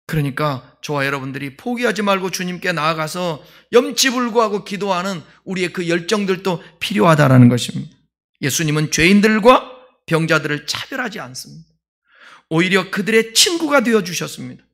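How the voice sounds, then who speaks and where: A male pastor preaching a sermon in a conversational way, asking the congregation questions and swinging between loud emphasis and quiet asides. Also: sits high, expressive, fairly quick.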